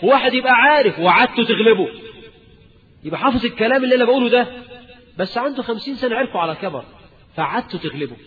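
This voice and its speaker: A man's voice: very high voice, lively intonation, rapid-fire, long pauses. A man with an Egyptian Arabic accent giving a colloquial religious lecture, asking the audience rhetorical questions and rising in emphasis. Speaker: preacher. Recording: dull lecture-hall recording with long reverb.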